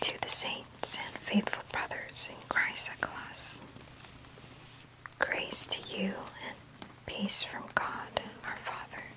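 Whispering, a woman speaks at a very slow pace. Long, frequent pauses fill her delivery. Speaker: ASMR Bible reader. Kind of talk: Bible reading, ASMR. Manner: whispered, soft-spoken. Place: home room.

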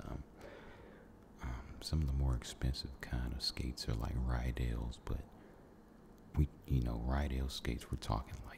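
Noticeable background noise sits behind a man's voice. He speaks very deep and low, in a flat monotone. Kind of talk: soft ASMR-style casual chat. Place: home room. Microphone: studio mic.

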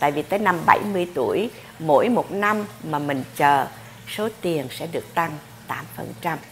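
Speech comes at a very slow pace with long, frequent pauses and ordinary pitch variation over faint music in the background. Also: woman, fairly low pitch for a woman. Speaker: social security benefits expert answering questions; TV presenter. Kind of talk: call-in advice show answering listener questions. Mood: warm, smiling. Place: studio. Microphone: lapel.

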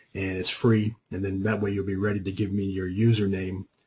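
Somewhat breathy, a man talks at a moderate pace. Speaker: webinar host. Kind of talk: webinar introduction. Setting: online webinar. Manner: stuttering a little.

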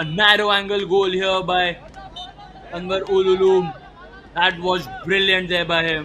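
A high-pitched man at a fairly slow pace, monotone and flat, with crowd noise in the background. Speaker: football commentator. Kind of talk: live football commentary, highlights voiceover.

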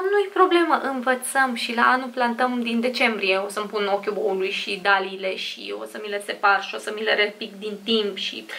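Hardly pausing, a woman speaks at a moderate pace with ordinary pitch variation. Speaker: vlogger. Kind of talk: casual vlog chat. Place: home room. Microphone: camera far.

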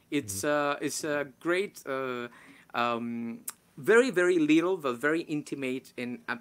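This man has a Spanish accent and a fairly high pitch. His tone is bright and sharp. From Mexico, Monterrey. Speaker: singer-songwriter. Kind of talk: interview. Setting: video call.

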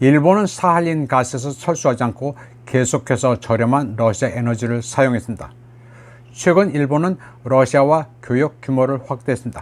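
A man with a normal speaking voice. His pitch varies in an ordinary way. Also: medium pitch for a man, moderate pace. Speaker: news commentary channel host. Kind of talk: scripted narration. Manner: formal.

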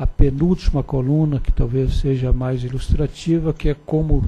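A man's fairly high, somewhat breathy voice with a Brazilian accent, a dark, mellow tone, monotone and flat, at a fairly slow pace. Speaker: regulatory agency director. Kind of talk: formal report reading.

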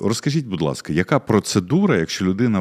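On a very clean recording with a silent background and a dry, close sound with no echo, a man speaks with lively intonation. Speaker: TV host. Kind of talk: studio interview. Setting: studio.

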